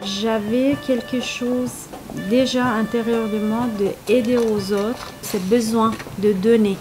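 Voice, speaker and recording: Slow, halting middle-aged woman from Iran. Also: fairly high pitch, steady tone, music in the background, low-quality recording. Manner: slow, searching for words, many hesitations. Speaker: interviewee, volunteer interpreter. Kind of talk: personal interview.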